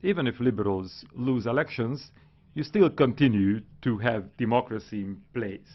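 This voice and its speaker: Man, defensive. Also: medium pitch. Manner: defensive, insistent, slightly halting. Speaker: Hungarian government representative. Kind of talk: parliamentary debate reply. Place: parliament chamber. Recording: muffled, dull sound.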